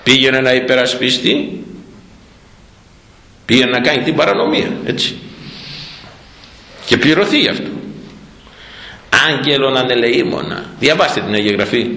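A male preacher delivers a sermon in an animated storytelling way, his voice swooping up and down as he talks to the listeners. His tone is bright and fairly high, and the sound is echoey and roomy. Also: creaky, a little hiss or hum. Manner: animated storytelling, addressing the congregation.

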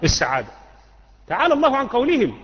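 A man with an Egyptian Arabic accent teaches Islamic creed in a classroom lecture, quizzing students and repeating points until the class answers. His voice is very high-pitched, fast, and fairly bright with a breathy edge, swinging hugely in pitch. The lecture-hall recording is muffled with a long echo.

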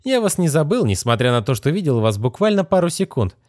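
A man's voice: on the high side, sing-song, brisk, a little mellow, dry recording, studio quality, voice pushed up. A man voicing a vain, cold young male magician in a haughty, condescending manner. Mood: coldly threatening. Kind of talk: audiobook character reading.

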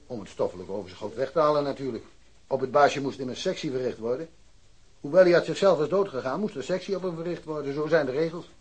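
An actor playing a blunt, dismissive police detective in a radio drama, offhand and colloquial. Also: male voice, mid-range voice, quick pace, darkish tone, husky, natural voice. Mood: slightly defensive. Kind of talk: Dutch radio drama acting.

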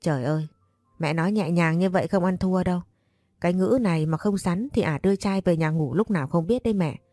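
A woman's voice: lowish voice, dark tone, dry recording, studio quality, faint music behind, natural voice. A woman voicing a grown daughter who gossips bluntly and indignantly. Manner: blunt, fast and scolding.

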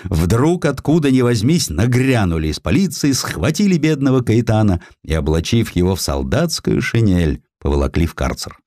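A man narrating a historical story in an expressive, theatrical, ironic storytelling style. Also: lowish voice, normal speed, hardly any pauses, dry recording, clean studio sound. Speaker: audiobook narrator.

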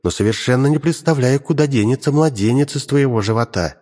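A man voicing a calm, sensible magical goldfish who speaks in a measured way. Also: medium pitch, in a large hall, voice pushed up, close to an everyday voice. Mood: composed.

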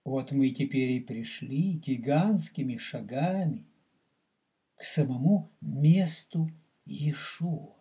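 A man teaching as a rabbi in a recorded religious lecture. He speaks deliberately, addresses the listener directly, and explains and repeats terms for emphasis. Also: medium pitch, animated, dark tone, breathy edge.

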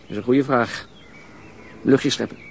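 A man's voice: medium pitch, steady tone, unhurried, creaky, a little hiss or hum. An actor playing a battered, subdued policeman in a radio drama, wry and weary. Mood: sheepish, wry. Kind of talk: low-key radio drama acting.

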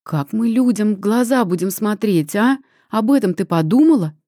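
A woman's voice: medium pitch, unhurried, warm tone, dry recording, studio quality, lightly acted. A woman reading an audiobook, voicing a hysterical middle-aged mother who screeches accusations in a trembling voice. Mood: shrill outrage.

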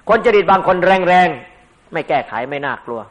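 An older man preaching a Buddhist sermon with a slightly raised voice. His talk is conversational and unhurried. He breaks into sharp, emphatic peaks when he makes a point. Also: on the high side, animated, highs cut off. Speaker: Buddhist monk teacher. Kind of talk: dharma sermon.

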